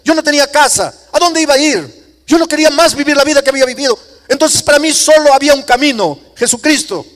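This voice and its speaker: A man's voice: mid-range voice, fairly even intonation, normal speed, pauses often, pitched below the performer's own voice, natural voice. A man voicing a repentant middle-aged former drunk, earnestly pleading his confession to the pastor. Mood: impassioned. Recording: long reverb of a large hall.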